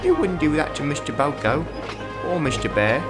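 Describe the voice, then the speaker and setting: A man voicing a small, polite and excitable brake van, speaking in a squeaky, fussy manner, with music playing behind. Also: moderate pace. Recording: background music.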